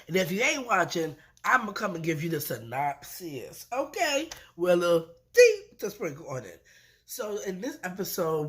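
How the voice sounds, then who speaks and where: A woman with a blocked-up, stuffy nose from allergies talks through a reality TV episode. She is chatty and blunt, swears freely and throws in lively asides. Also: sits low. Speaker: reality TV reviewer. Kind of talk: casual recap vlog.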